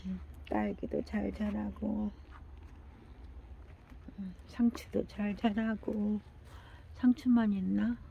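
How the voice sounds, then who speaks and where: Slow, gravelly older woman murmuring. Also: mid-range voice, level tone, mellow, dull audio, a little hiss or hum. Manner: slow, murmuring, often drops to a half whisper. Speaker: gardening vlogger. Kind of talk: casual gardening vlog, talking to herself.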